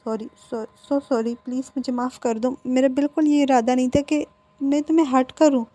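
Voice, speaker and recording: A woman voicing a patient young man who coaxes and apologizes in a gentle, reassuring way. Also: high-pitched, steady tone, moderate pace. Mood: apologetic. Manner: coaxing, reassuring.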